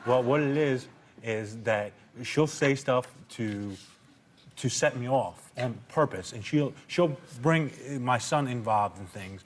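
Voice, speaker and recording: A man, an adult son on a talk show, defending himself and arguing back with halting restarts. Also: medium pitch, a little hiss or hum. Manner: defensive, argumentative, hesitant restarts. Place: TV studio.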